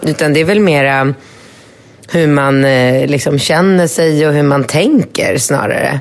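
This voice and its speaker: A woman speaks at a very deep, low pitch and a fairly slow pace, with ordinary pitch variation and very even loudness. Long, frequent pauses break up her speech over noticeable background noise. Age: 40s. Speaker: podcast co-host. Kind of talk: casual chat.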